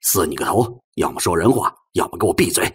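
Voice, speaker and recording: A man voicing a gruff, impatient, foul-mouthed squad leader in an audiobook. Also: low-pitched, expressive, quick pace, voice pushed down, exaggerated voice. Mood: furious. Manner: brusque, impatient.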